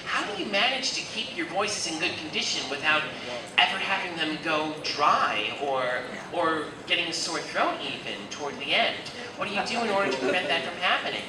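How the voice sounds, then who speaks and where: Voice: mid-range voice, animated, background noise. Fan asking a long question at a panel, echoey room, far off mic. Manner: measured, wordy. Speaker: audience member asking a question. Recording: echoey convention hall from far off.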